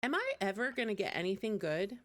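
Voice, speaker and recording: With a medium-pitched, sing-song, slightly bright voice and a somewhat fast pace, a woman livestreams a game and chats casually with viewers while playing. Game music runs in the background of the recording.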